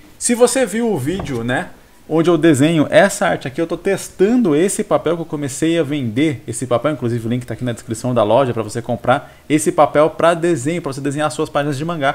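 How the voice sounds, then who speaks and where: A man speaks very fast with lively intonation, hardly pausing at all. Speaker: teacher. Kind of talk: casual vlog chat. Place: home room. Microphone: webcam.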